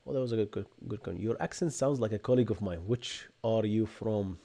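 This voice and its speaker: A man in his thirties speaks with an Arabic accent, his voice sitting a little low as he talks into a desk mic at home. He explains technical ideas in quick energetic bursts and keeps checking in with "right?" like a chatty live-stream host. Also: creaky. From Bahrain. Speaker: podcast host. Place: home room with bookshelves. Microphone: desk microphone in front.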